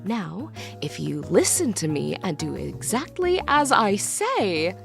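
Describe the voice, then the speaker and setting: A woman's voice: mid-range voice, very animated, slow, vocal fry, faint music behind, heavily acted. A woman voicing a bossy, condescending female crime-syndicate grunt in a fan parody cartoon, with cutting delivery. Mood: scornful.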